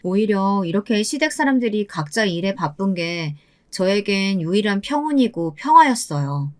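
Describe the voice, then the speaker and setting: A woman in her seventies calmly recounting her own hard life in scripted first-person narration. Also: mid-range voice, moderate pace. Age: 70s. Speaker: storyteller.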